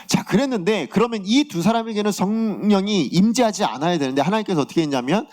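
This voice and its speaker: Lively, questioning male pastor. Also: sits high, quick pace. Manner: conversational preaching with frequent rhetorical questions to the congregation. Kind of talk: sermon.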